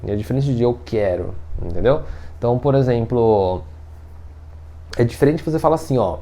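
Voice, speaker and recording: Man, casual teacher, mellow voice, very animated intonation, keeps checking in with the listener. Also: mid-range voice, a little fast. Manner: chatty, explains with everyday examples, checks in often. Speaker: Mandarin teacher. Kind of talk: casual video lesson.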